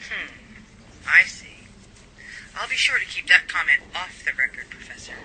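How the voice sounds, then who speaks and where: A man acts as a persistent female reporter in an audio drama. The voice is high and strikingly sharp, with a pointed, wry delivery and faint noise behind it. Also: lively intonation, moderate pace, full character voice, poor audio. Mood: wry, polite. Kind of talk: radio drama acting.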